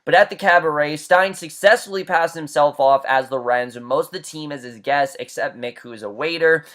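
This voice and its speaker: A man's voice: fairly high pitch, brisk, fairly bright tone. A man giving a casual recap and review of a TV episode, chatty and full of fillers and restarts.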